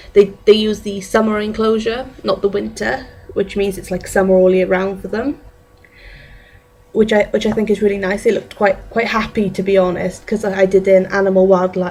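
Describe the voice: A woman speaks at medium pitch with a slightly mellow tone. Her pace is moderate and her pitch moves little.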